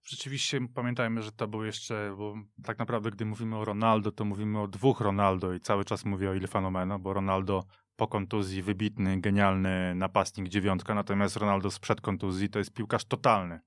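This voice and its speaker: A man's voice: on the low side, level tone, a little fast, no room sound. A man on a radio football panel, opinionated and talkative in casual studio chat. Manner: opinionated, storytelling. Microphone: studio mic.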